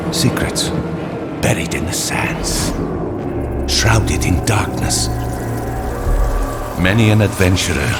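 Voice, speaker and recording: A grave old male storyteller speaks in a very deep, gravelly voice with wide dramatic swings. The delivery is slow and ominous, made for a fantasy game cinematic, over loud music.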